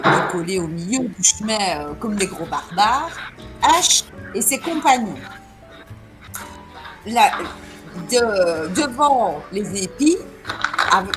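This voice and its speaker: A woman with a French accent narrating a tabletop role-play game as game master, halting often with fillers. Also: medium pitch. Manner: hesitant, many fillers.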